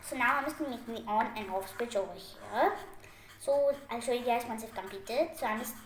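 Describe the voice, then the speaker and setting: A woman with a fairly high voice speaks briskly, hosting a casual step-by-step craft tutorial. She keeps padding her explanations with "like." The room is echoey, with faint noise and clicks.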